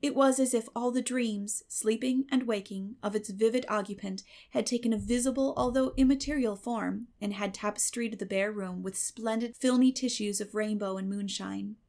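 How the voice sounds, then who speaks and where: A woman's voice: a little high, fairly even intonation, moderate pace, hardly any pauses, darkish tone. A woman giving a scripted, dramatic literary narration as an audiobook reader.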